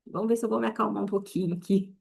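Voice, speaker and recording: A woman's voice: mid-range voice, steady tone, racing, creaky, darkish tone. A woman leading a fiery, spontaneous women's prayer meeting, repeating her points emphatically with casual asides. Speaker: women's group prayer leader.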